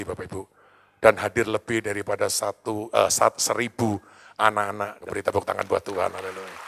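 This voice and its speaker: A man pastor, preaching a sermon in a church and telling a story with animated swings between loud indignant bursts and quiet asides. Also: on the low side, gravelly.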